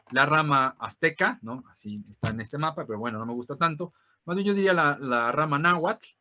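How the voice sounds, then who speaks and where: Mexican male teacher, bright and slightly high voice, patient explainer who drills pronunciation, dull video-call sound. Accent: Mexican Spanish. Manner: explanatory, peppered with tag questions; repeats words slowly to model pronunciation. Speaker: language teacher. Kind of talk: online class lecture.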